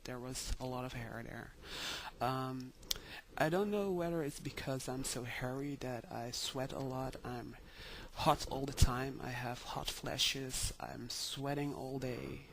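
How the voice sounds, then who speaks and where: A young man talking slowly in a casual video diary, with many ums and pauses, tired. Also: medium pitch, fairly even intonation, vocal fry, fairly bright tone, rough recording. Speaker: vlogger.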